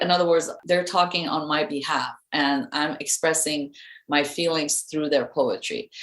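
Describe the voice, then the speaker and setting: Speaking with an Iranian accent, a woman has a very deep, low pitch, fairly even intonation and a moderate pace. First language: Farsi. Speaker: singer. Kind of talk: interview.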